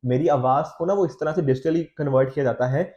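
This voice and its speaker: Speaking fast in a mellow, slightly high voice over dull audio, an Indian teacher and exam coach walks through newspaper editorials in Hindi mixed with English. His lecture is explanatory and conversational, with regular check-ins, and his throat sounds a little off from a light cold.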